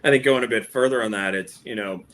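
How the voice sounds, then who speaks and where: A man moderating an investor panel over a video call, putting questions to the panel in a relaxed, chatty way. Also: on the low side, fast. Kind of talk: panel discussion.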